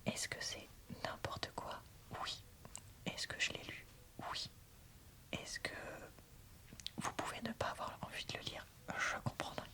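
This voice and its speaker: Gently whispering, a female video host and book reviewer reads aloud and reviews a book for ASMR, moving at an easygoing pace in an informal manner.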